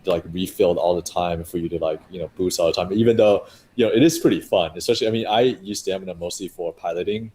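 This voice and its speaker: Brief: low-pitched male game developer, casual rambling stream chat, faint ambient hiss. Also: a little mellow, low-quality recording. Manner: rambling, heavy on fillers and restarts.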